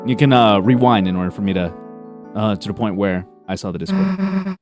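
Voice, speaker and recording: Lively guy streamer, laughs a lot, swears, reads game text out, faint music underneath. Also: on the low side, brisk. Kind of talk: casual gameplay commentary.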